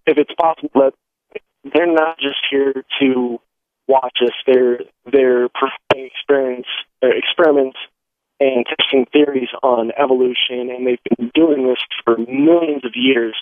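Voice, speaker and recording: A man from Michigan calling in to a radio talk show from his car, speaking hesitantly with many pauses and restarts over a phone line that keeps breaking up. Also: medium pitch, fairly even intonation, dry recording. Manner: hesitant, halting, full of "uh" and restarts. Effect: calling on a phone while driving, line breaking up. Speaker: caller. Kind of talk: call-in radio chat.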